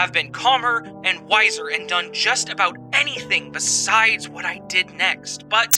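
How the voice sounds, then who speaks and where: A man speaks at a fairly slow pace with hardly any pauses while music plays in the background. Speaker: horror narrator. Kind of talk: horror story narration.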